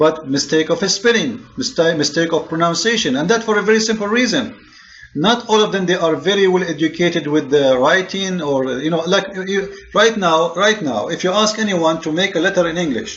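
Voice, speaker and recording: A high-pitched man at a fairly quick pace, with ordinary pitch variation and noticeable background noise. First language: not English. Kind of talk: video reaction commentary. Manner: animated, repetitive stammering.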